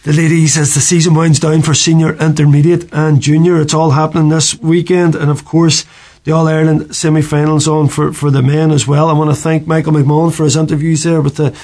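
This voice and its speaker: A man's voice: a little high, level tone, fairly quick, darkish tone. A man with a Donegal accent hosting a sports radio show in an informal, conversational interviewing style.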